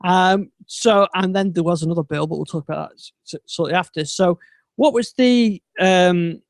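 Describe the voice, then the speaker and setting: A man's voice: high-pitched, normal speed, no room sound. A man hosting a casual tech podcast, talking in a meandering way with many ums and restarts. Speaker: podcast host.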